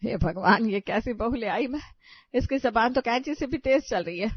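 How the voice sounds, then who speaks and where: A woman's voice: fairly high pitch, expressive, moderate pace, slightly rough, no echo. A woman voicing an aging, long-suffering mother-in-law in a cartoon story, who pleads and scolds in exasperation. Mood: pleading. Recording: dry, slightly dull audio.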